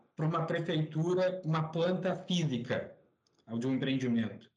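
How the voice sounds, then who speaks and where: Audible room echo surrounds a man with a high pitch. He talks at a fairly slow pace with ordinary pitch variation. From Rio Grande do Sul coast, southern Brazil. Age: 30s. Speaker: interior designer. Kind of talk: interview.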